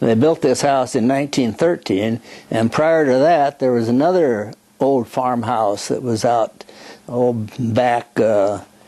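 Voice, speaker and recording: Speaking fairly slowly with an American accent, a man uses a medium pitch, ordinary pitch variation and a dark, mellow tone. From US Midwest, central Illinois (Morton). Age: 80s+. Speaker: retired highway engineer and farmer's son. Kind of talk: oral history interview.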